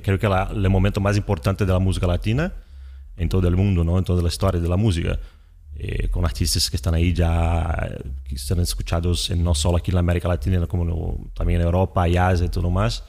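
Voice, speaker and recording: A man's voice: low-pitched, a little mellow. A Brazilian man, native in Portuguese, talking as an interview guest in Spanish mixed with Portuguese, with a Brazilian accent. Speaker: interview guest, music distribution executive. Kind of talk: conversational interview.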